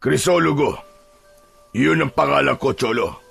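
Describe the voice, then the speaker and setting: A man voicing a calmly menacing aswang monster in a horror audio drama, with a deep, husky, gravelly voice and slow, controlling delivery. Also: soft background music, full character voice. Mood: calm menace. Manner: slow, measured, coaxing yet firm. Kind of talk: Filipino radio-style horror drama acting.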